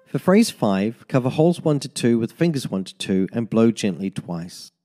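Faint music plays behind a man narrating a tin whistle lesson as a music teacher. His mid-range voice is warm and sing-song as he lays out fingering steps slowly and methodically.

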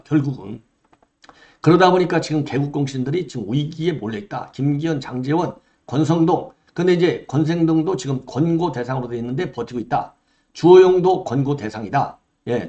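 A man's voice: on the high side, mellow. Emphatic older man, dull lo-fi recording. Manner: emphatic, rhetorical questions, frequent "예" fillers. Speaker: political commentary host. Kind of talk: solo political commentary. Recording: dull lo-fi sound.

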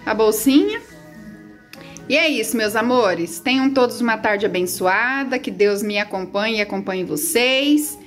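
A talkative woman from Brazil walks her viewers through her tidy house, speaking in a fairly high voice and peppering everything with fond little words. She records on a phone held in her hand, so the sound is close and homely, with faint music in the background. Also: animated, a little slow, a bit bright. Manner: chatty and affectionate, many diminutives, baby talk to her pets. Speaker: vlogger. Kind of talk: casual home vlog, talking to viewers. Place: small house, indoors and on the porch. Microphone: handheld phone.

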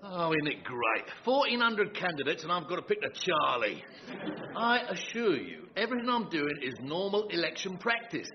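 A cheerful, crooked campaign manager in a radio sitcom. He talks in brash slang with a very lively, swinging melody. The recording is a little dull. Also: sits high, normal speed, noisy background. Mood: scheming. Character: shady, cheerful male wheeler-dealer campaign manager. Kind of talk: British radio sitcom acting. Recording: slightly dull, muffled recording.

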